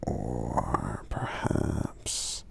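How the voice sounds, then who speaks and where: A man playing a friendly, polite, protective giant in soft-spoken ASMR roleplay, breathy and gravelly, with hesitant, hum-filled pauses. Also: a bass voice, wildly swooping pitch, heavily acted. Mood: welcoming. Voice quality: breathy, gravelly, half-whispered. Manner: hesitant, courteous, unhurried, pausing with hums.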